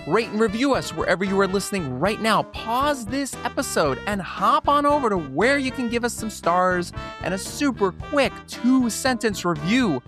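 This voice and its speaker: A man hosting a podcast in an upbeat, conversational style, with a folksy, emphatic and playful delivery. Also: a little high. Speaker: podcast host.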